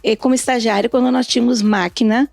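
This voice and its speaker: High-voiced mature woman. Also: steady tone, fast, gravelly, a little mellow, faint music behind. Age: middle-aged or older. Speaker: podcast guest, lawyer. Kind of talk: casual conversational interview, anecdotes.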